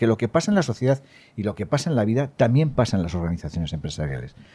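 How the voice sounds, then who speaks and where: Heard in a dry, close sound with no echo, a man's dark, mellow, somewhat breathy voice moves through very wide pitch swings. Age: 60s. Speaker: podcast host and coach. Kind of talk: casual chat.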